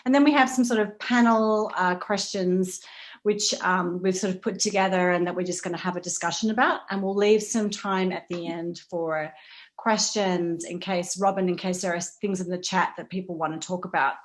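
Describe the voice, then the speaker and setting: A woman's voice: fairly low pitch, steady tone, normal speed. A woman moderating an online panel in an informal, conversational style over a video call.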